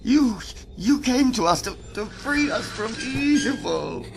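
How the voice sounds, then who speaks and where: An actor playing an older, guilt-ridden father in a horror game, with a creaky voice and halting, anguished, slow delivery. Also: very high-pitched, expressive, exaggerated voice. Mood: broken, confessing. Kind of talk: dramatic horror game acting. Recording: music under the voice.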